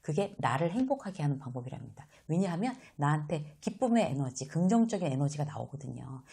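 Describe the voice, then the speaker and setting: A middle-aged woman giving a casual lecture on life and work, lively and exclamatory, acting out what people say. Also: low-pitched, brisk, vocal fry, husky. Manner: lively, exclamatory, acts out quoted dialogue.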